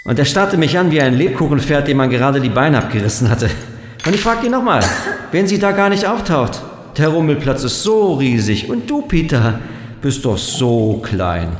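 A man acting in a German science fiction audio drama as a composed companion, speaking in a measured, articulate way. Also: on the high side, big pitch swings, a little hiss or hum. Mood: fond, teasing. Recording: music behind the voice.

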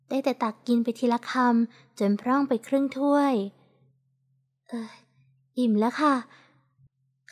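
A woman reads a romance novel aloud in a steady, scripted narration. Her voice sits notably high in pitch. The delivery is even and unhurried. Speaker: audiobook narrator.

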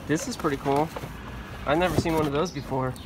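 Man, 40s, casual reseller host, curious and talkative, outdoor phone-camera sound with steady traffic noise. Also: on the high side, fairly quick. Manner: chatty, curious, appraising finds aloud. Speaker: storage locker reseller, channel host. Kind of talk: casual unboxing chat. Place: outdoors on a sunny trailer by storage units.

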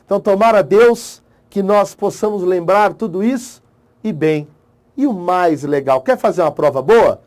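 A man with a Brazilian accent, an online course teacher giving an emotional motivational talk to exam candidates, swinging between soft and loud. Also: high-pitched, moderate pace. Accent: Brazilian Portuguese.

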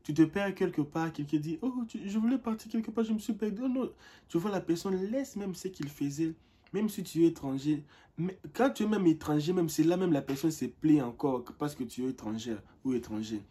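A young man talks straight to his audience in a casual vlog, telling stories with lively energy. His voice is warm and mellow with a husky edge, and he often doubles back over his words as he speaks. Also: fairly high pitch, moderate pace. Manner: animated storytelling, repeats words as he searches for them. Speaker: vlogger. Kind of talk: casual vlog talk to camera.

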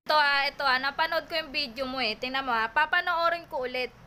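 A woman's voice: high-pitched, fast, pushed and bright. A Filipino woman vlogger living abroad, scolding and mocking someone in a heated reaction rant, repeating her taunts. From Philippines. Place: home in Taiwan.

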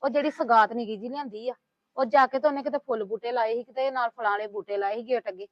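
Brief: actress as a complaining housewife, high voice, dull dry audio. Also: female voice, fairly even intonation, quick pace, no echo, natural voice. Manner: complaining, gossiping, soothing. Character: talkative scheming woman, middle-aged housewife. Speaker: housewife in a family drama. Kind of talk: web series acting. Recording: dull lo-fi sound.

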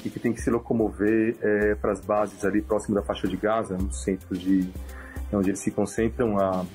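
A middle-aged man from São Paulo, filming himself on a phone and speaking haltingly, with frequent filler pauses. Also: on the low side, little pitch movement, a little mellow. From Brazil, São Paulo. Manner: hesitant, many filler pauses. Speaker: volunteer driver interviewed. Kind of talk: self-recorded video testimony. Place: indoors at home, in a car and by a roadside. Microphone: phone camera at arm's length. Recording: music bed under the voice.

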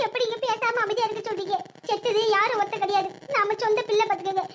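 A woman's voice: very high voice, flat delivery, fast, noisy background. A woman voicing a grieving older village mother-in-law with a southern Tamil Nadu accent, lamenting and giving advice. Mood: indignant. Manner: lamenting, advising.

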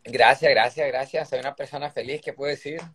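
A man's voice: mid-range voice, steady tone, fairly quick, fairly bright tone, husky. A man in his thirties with a Brazilian Portuguese accent, chatting cheerfully as a guest on a phone video call from his room at home. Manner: cheerful, chatty, keeps asking "me entiendes?". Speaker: guest, circus performer. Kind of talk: casual live-stream interview.

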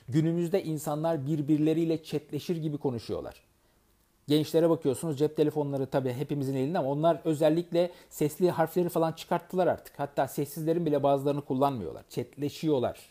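A man with a mellow, warm voice speaks to his audience as a network marketing trainer. He talks in an earnest, advising way at a middle pitch. He often pauses with fillers and starts words over. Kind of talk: advice monologue to an audience.

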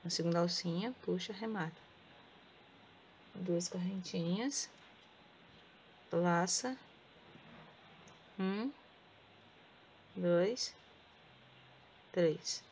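Soft-spoken Brazilian woman counting stitches. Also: fairly low pitch, very slow, pauses often, a little hiss or hum. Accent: Brazilian Portuguese. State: sore throat, cannot speak loudly. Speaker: crochet teacher. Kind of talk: step-by-step craft tutorial.

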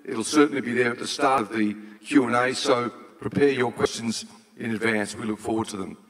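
A man in his sixties addresses an auditorium through a handheld microphone, with long hall reverb. His delivery is formal and measured, with solemn, deliberate phrasing and a medium pitch. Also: steady tone, fairly bright tone. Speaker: event host. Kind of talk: formal stage introduction and prayer. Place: large auditorium stage.

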